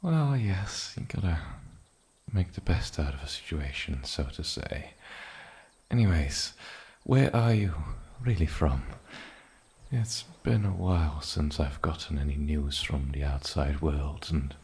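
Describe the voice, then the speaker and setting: A man playing an eccentric, lonely, ancient island demon in a soft-spoken fantasy ASMR roleplay, with a gravelly low voice and musing, polite pauses. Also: lively intonation, full character voice. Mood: musing, curious.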